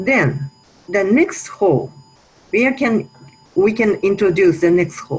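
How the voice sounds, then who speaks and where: Over noticeable background noise, a woman with a Japanese accent speaks at a medium pitch, making very wide pitch swings and long, frequent pauses. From Japan, Kobe. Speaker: physics professor. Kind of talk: lecture. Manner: halting.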